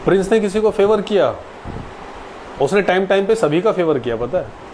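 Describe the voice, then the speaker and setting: A man's voice: high-pitched, expressive, normal speed, darkish tone, a little hiss or hum, low-quality recording. A man in his late twenties, an actor, answering viewers' questions casually and politely on a live stream. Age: 20s.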